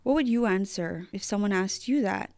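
A woman from the Mariana Islands hosting a podcast, reading a scripted introduction in an earnest, measured way. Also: medium pitch, darkish tone, dry recording, clean studio sound. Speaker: podcast host.

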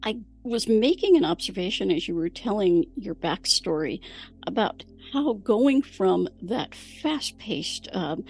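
Gravelly-voiced woman hosting an interview. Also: medium pitch, big pitch swings, a little slow, a little mellow, faint music behind, rough recording. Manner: thoughtful, probing questions with fillers. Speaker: podcast host. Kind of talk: conversational interview.

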